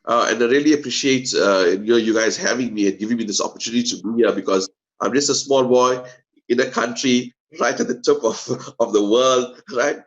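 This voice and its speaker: A man's voice: mid-range voice, brisk, lo-fi sound. A man speaking earnestly as a guest on a video call, hesitating with many fillers. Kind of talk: casual pitch talk.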